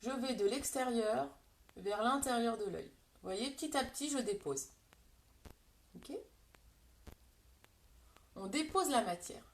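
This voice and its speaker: A woman's voice: a little high, animated, unhurried, pauses often, recorded from a distance. Chatty woman, echoey room. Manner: chatty, addresses viewers by name, explains step by step. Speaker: beauty product seller doing a live makeup demo. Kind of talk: casual live tutorial.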